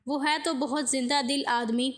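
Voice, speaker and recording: A woman reading the lines of an easygoing older brother in an audio story, giving calm, reassuring replies. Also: sits high.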